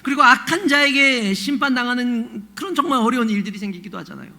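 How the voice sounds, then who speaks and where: A male pastor preaching with a strikingly high, gravelly voice and a bright, forceful tone. He talks to the congregation conversationally, often asking them questions. He swings into emotive, pleading delivery when he acts out biblical cries. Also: fast. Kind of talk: sermon.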